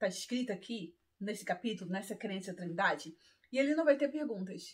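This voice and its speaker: With lively intonation, the speaker sounds somewhat breathy. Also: woman. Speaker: Bible teacher. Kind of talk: casual video monologue. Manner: halting, disfluent.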